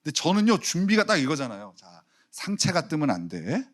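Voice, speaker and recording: A man preaching a Sunday sermon as pastor, animated, swinging from soft asides to loud emphasis. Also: on the high side, a little fast. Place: church sanctuary.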